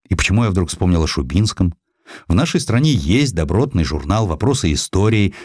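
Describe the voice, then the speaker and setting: A man reading historical essays as an audiobook narrator, in an expressive scripted storytelling style. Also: deep voice, dry recording, clean studio sound. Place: dry recording studio.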